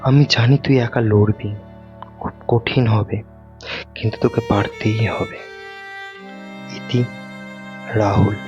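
A man's voice: on the low side, fairly even intonation, takes it slowly, pauses often. Man acting a sorrowful young lover over violin music. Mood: sorrowful, resigned. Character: anguished young male lover, twenty-five, secretive and devoted. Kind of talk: dramatic audio story acting. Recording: dull lo-fi recording with violin music.

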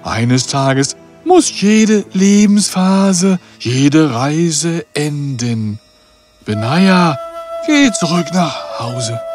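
A man playing a gentle, wise old teacher in an animated fairy tale, solemn and drawn-out. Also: on the high side, faint music behind, heavily acted.

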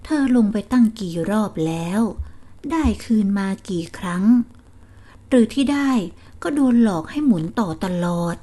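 A woman's voice: medium pitch, animated, measured pace, mellow. A woman voicing a worried old husband who pleads with his wife not to be fooled. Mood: pleading. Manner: pleading, anxious, reproachful.

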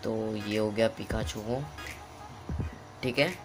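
A man's voice: lowish voice, fairly even intonation, takes it slowly. A man giving casual gameplay commentary, chatty, apologizing often and muttering to himself. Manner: chatty, mixes English words, frequent apologies and mutters. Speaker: gaming YouTuber. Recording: game music playing behind.

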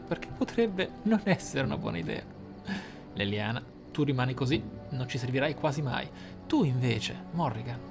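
A man commentating his game playthrough, thinking aloud in a deliberate, theatrical way with dramatic pauses. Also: mid-range voice. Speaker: gaming YouTuber, player. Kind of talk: game playthrough commentary with role-play musing. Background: game music.

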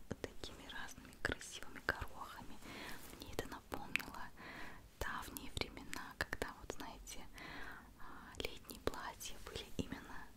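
A woman whispers from very close, as if right in your ear. She speaks in an ASMR chat style, gushing and affectionate. Every phrase stays soft and breathed into a microphone at her lips. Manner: gushing, affectionate, fond of diminutives. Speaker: ASMR video host. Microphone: large studio microphone right at the mouth.

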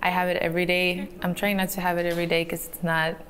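A teenage woman from Canada answering interview questions in a soft, giggly way with many ums, filmed in a photo studio. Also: lowish voice, little pitch movement, fast talker. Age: teens. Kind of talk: recorded profile interview. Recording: clip played with faint music.

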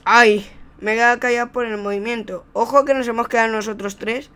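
A person with an accent from Spain giving improvised, excitable play-by-play over gameplay in the manner of a wrestling commentator. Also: mid-range voice, brisk, smooth. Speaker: video game commentator, player.

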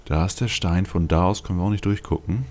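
A man's voice: sits low, fast talker. A man hosting a let's play with casual game commentary, thinking aloud with wry, dry asides. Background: game music.

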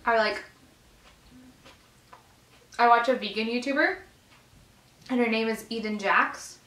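A woman in her twenties chatting casually to camera over a meal, informal and animated, chewing as she talks. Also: a little high, unhurried. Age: 20s. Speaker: vlogger. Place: small bedroom, indoors. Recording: echoey room sound.

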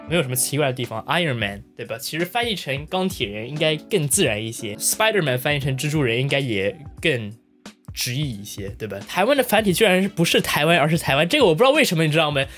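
A man's voice: fairly high pitch, a bit bright. A man from mainland China hosting a casual video, talking playfully with exaggerated shocked reactions. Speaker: video host. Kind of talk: casual talking-head commentary.

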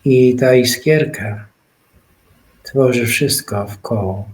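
A man speaks in a meditative, spiritual way, his pace very slow and unhurried. His voice is soft and sits at an ordinary middle pitch. His phrases fade into quiet pauses. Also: poor audio.

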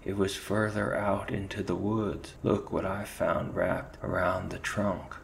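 A man voicing a cowardly male rat soldier who stammers in a high, whining voice. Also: flat delivery, unhurried, creaky, a little hiss or hum. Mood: scared.

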